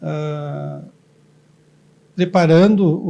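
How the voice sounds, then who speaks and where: This man's voice has a dark, mellow tone. His pitch sits fairly high. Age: 50s. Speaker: teacher. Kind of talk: podcast interview. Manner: halting.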